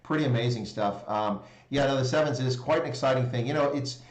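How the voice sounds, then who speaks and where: A man's voice: mid-range voice, brisk. Man hosting from an echoey room. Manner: relaxed, enthusiastic, with fillers and short laughs. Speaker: host. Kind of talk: casual interview chat.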